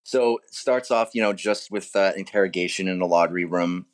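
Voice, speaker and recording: A man's voice: sits low, a little fast. An American man, an author being interviewed, explaining things informally in casual chat. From United States.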